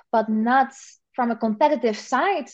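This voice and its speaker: An unremarkable speaking voice from a woman, fairly high-pitched, at a moderate pace. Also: quiet background. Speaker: podcast host. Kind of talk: casual interview.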